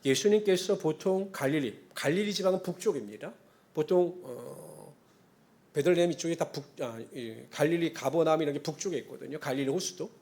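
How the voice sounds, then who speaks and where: A man's voice: on the high side, darkish tone. A male pastor preaching a Sunday sermon, earnest and conversational, closing points with formal blessings. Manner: conversational asides and acted-out quotes.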